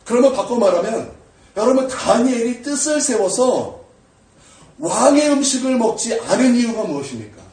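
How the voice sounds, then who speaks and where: A male pastor preaching a sermon, swinging from shouted prayers down to quiet, low asides. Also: big pitch swings, moderate pace, echoey room, far from the mic. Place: church sanctuary.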